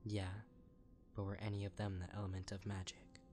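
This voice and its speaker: A man's voice: on the low side, monotone, normal speed, mellow, soft background music, lightly acted. A man voicing a worried pony princess who brings bad news in a tentative, sombre manner in a story.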